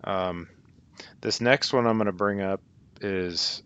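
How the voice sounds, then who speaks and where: A man's voice: low-pitched, slow pace, fairly bright tone, smooth. A man hosting casually, giving off-the-cuff commentary to listeners on clips he plays. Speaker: host playing clips for listeners. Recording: slightly dull, lo-fi audio.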